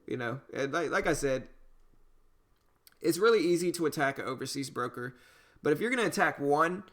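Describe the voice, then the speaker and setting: A man's voice: medium pitch, vocal fry. A man from Louisiana with a slight Cajun accent, casually chatting with viewers as host of a day-trading livestream. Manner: relaxed, conversational, says "you know" a lot. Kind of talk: casual livestream chat reading viewer comments.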